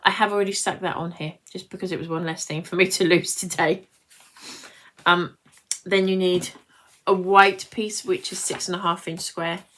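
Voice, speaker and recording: A woman's voice: lowish voice, flat delivery, moderate pace, fairly bright tone. A British woman in her late forties hosting a live craft demonstration, chatting and rambling as she breaks off to talk to viewers. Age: late 40s, nearly fifty. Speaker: craft tutorial host.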